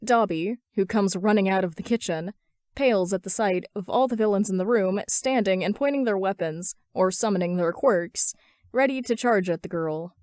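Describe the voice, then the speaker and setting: A woman's voice: mid-range voice, normal speed, darkish tone, dry recording, studio quality. A woman reading scripted fan fiction as an amateur story narrator.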